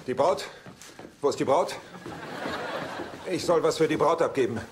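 An actor in a German sitcom dub playing a heartbroken, impulsive womanizer with a halting, dryly flippant way of talking. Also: fairly high pitch, heavy background noise, natural voice. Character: heartbroken, wisecracking womanizing bachelor, impulsive and self-pitying. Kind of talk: German-dubbed sitcom acting.

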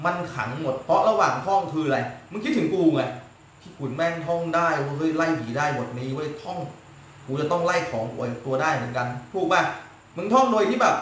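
A high-voiced man lectures his viewers on a casual live stream as a spiritual teacher, blunt and crude, forever asking "right?". His voice rings through a very echoey room over faint background noise. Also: a bit bright.

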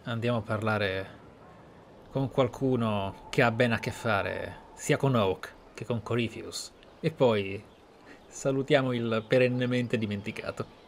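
A man with an Italian accent hosts and streams a roleplay game playthrough, commentating reflectively and conversationally over game music. His mid-range voice is unhurried, with a little hiss or hum in the recording.

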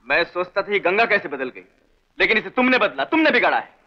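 A man's voice: sits high, sing-song, fast talker, slight background noise. An actor playing a proud, stern father who speaks in curt commands, in 1960s film dialogue. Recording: dull old film soundtrack.

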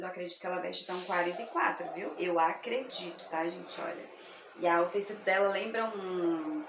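A woman from Brazil selling thrift clothes online, chatty and effusive, her voice slightly hoarse from sleepiness. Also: fairly low pitch, a bit bright. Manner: chatty, effusive, addresses viewers as girls. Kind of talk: casual product showcase. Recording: echoey room with faint ambient noise.

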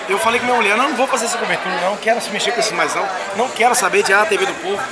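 A high-pitched Brazilian man in his forties talks earnestly and at length into a phone held at arm's length. He is at a booth at a busy fair, and heavy crowd noise fills the background. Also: rapid-fire. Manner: emphatic, rambling, heartfelt. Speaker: web TV host. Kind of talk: casual on-site interview. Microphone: handheld phone camera at arm's length. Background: loud crowd chatter.

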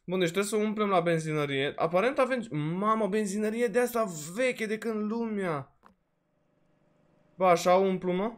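A man with a Romanian accent giving casual let's-play commentary, chatty and exclamatory, his voice slightly worn. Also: high-pitched. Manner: chatty, exclaims often, peppers talk with "frate" and "bă". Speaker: gaming video host.

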